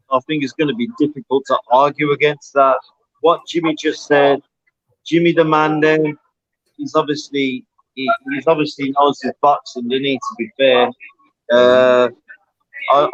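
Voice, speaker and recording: A man's voice: mid-range voice, a bit bright, dry recording, muffled recording. A man with Welsh parents calling in to a boxing talk show, giving blunt opinions and repeating his points for emphasis. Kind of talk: casual boxing opinion chat.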